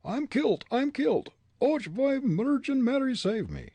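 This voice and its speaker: A man's voice: very high-pitched, big pitch swings, takes it slowly, mellow, husky, no room sound, voice pushed up, heavily acted. A man voicing a lean, panicked Irishman with a stage Irish accent, shrieking and wailing in a storybook reading.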